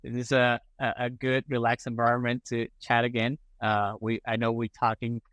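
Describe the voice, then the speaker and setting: A man's voice: mid-range voice, monotone, moderate pace, fairly bright tone, dry recording. A middle-aged man from Colombia, a prosthodontist guest on a podcast, talking casually with many fillers and restarts. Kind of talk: casual interview talk.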